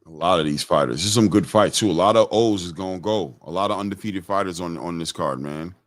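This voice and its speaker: A man's voice: deep voice, brisk, no echo. A man hosting a casual livestream, reading super chats and hyping up guests as they join. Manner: hypes guests and reads super chats aloud. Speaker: livestream host.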